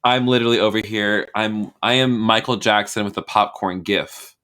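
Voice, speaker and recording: Host, man, lowish bright voice, blunt and jokey, casual swearing. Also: steady tone, normal speed, clear, resonant tone. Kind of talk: casual video chat.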